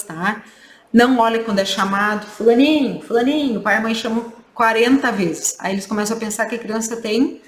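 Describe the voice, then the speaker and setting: A woman's voice: mid-range voice, fairly bright tone. Woman lecturing in an echoey room. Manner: explanatory, with frequent tag questions. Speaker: clinician giving a training lecture. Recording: echoey room with faint ambience.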